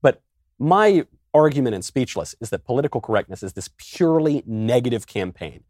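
A man on a studio panel explaining his argument in a measured, lecturing and wry way. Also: medium pitch, very animated, darkish tone, dry recording. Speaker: roundtable panelist, author. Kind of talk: casual political discussion.

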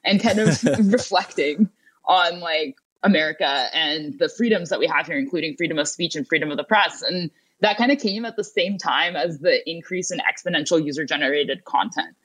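A woman's voice: low-pitched, normal speed, fairly bright tone, breathy edge. A young woman from Ukraine, answering as an interview guest in a conversational, explanatory style. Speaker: interview guest, tech company co-founder and CEO.

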